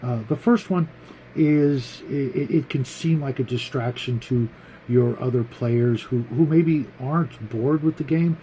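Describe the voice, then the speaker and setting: Mellow-voiced man, halting casual host. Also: mid-range voice, slight background noise, low-quality recording. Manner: halting, thinking aloud, repeats words. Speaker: host of a tabletop gaming show. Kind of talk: casual, rambling opinion talk to viewers.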